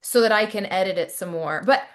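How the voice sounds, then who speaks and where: A woman hosting a casual podcast interview, reacting quickly and eagerly to what her guest says. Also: medium pitch. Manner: excitable, quick to react with surprise. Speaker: podcast host.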